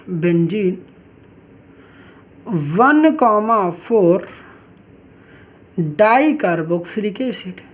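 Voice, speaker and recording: A woman with a fairly high voice teaching a chemistry lesson. She poses questions to the class and answers them herself, stretching out the key terms slowly. The recording sounds dull and lo-fi. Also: darkish tone. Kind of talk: online class lecture.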